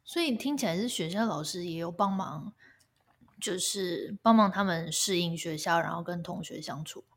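A woman's voice: on the low side, moderate pace. A woman co-hosting a casual podcast chat, listening closely and asking follow-up questions. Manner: attentive listener, short back-channel replies. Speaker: podcast co-host.

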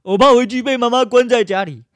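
A man's voice: very high-pitched, quick pace, smooth, dry recording, clean studio sound, voice pushed up. A man mockingly voicing a naive young woman who petulantly refuses to be rescued and go home. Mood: whiny.

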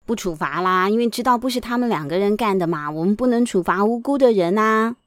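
A woman reading a picture book aloud to children as a bedtime storyteller, lively and chatty, often asking the kids questions. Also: medium pitch, brisk, dry recording, clean studio sound. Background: background music.

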